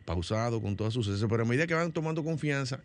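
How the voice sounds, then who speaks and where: A Dominican man with a middle-pitched voice, speaking Spanish with a Dominican accent as a guest on a talk program. He explains ideas patiently and at length, stumbling into restarts and doubled words as he thinks aloud. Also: animated, fast talker. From Dominican Republic. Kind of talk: studio discussion.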